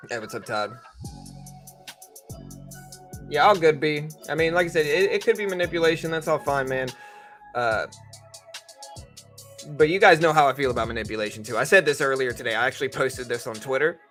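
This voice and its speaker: A male stock trading commentator hosts a livestream, walking viewers through the market in a relaxed, conversational style while hedging on both sides. His medium-pitched voice is a bit bright and a little fast, with faint music behind.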